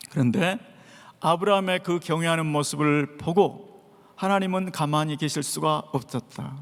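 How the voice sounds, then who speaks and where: A man preaching a Sunday sermon as pastor, posing rhetorical questions and acting out shouted calls. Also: high-pitched. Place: church sanctuary. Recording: long reverb of a large church hall.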